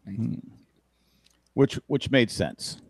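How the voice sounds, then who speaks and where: A man's voice: medium pitch, lively intonation, drawn-out words, no echo. Fifty-something guy chatting on a podcast, voice jumps around a lot, dry close sound. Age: 50s. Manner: rambling, self-correcting, wry about aging. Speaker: podcast co-host. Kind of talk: casual chat.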